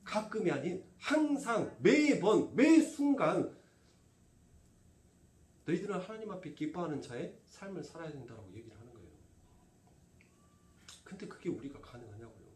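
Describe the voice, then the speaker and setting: A man's voice: high-pitched, sing-song, moderate pace, pauses often, a little mellow. A man preaching a sermon, asking the congregation questions and answering them himself. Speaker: pastor. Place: church sanctuary. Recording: roomy church from a distance.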